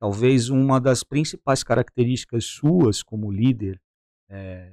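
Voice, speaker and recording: A man's dark, mellow tone at a very slow pace with ordinary pitch variation, dry and close with no echo, in a very clean recording with a silent background. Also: medium pitch for a man. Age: 50s. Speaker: podcast co-host, ex-military. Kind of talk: casual interview chat.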